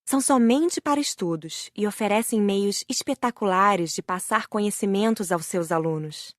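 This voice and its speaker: A woman with a Brazilian Portuguese accent reading a spiritual book aloud as a first-person narrator, gentle and admiring. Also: mid-range voice, normal speed, no room sound, studio quality. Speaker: audiobook narrator.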